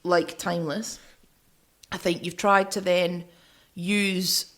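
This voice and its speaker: A woman co-hosting a music podcast, chatting casually in a measured way as she weighs both sides. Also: lowish voice, flat delivery.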